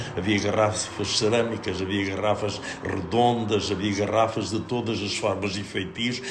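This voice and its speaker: In a European Portuguese accent, a man speaks fairly slowly in a flat monotone with a fairly low pitch over noticeable background noise. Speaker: wine industry veteran. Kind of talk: interview.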